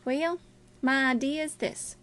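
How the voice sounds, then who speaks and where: Casting: cool male criminal schemer female reader, high register, deliberate rustic dialect, audiobook villain. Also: steady tone, fairly bright tone. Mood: scheming. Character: Packard, cool calculating male river criminal.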